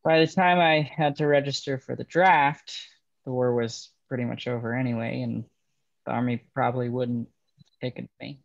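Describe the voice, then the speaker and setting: A male actor as a young railroad man, bitter and understated, with a gravelly edge to his voice. He speaks haltingly, as in a drama read-through, and the audio is slightly dull. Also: mid-range voice, fairly even intonation, natural voice. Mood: bitter, subdued.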